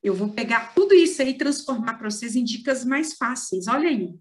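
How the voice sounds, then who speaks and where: A Brazilian woman teaching an online writing lesson, explaining patiently and slowing down to stress example words. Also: fairly high pitch, animated. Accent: Brazilian Portuguese.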